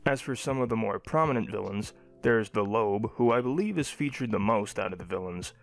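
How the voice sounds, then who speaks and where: A man's voice: on the low side, lively intonation, a little fast, soft background music. A young adult man narrating a scripted cartoon review.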